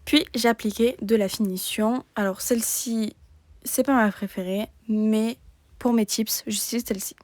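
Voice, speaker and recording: A woman calmly narrating a step-by-step nail art tutorial as a voice-over, in a plain explaining tone. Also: a little high, unhurried, no room sound, studio quality.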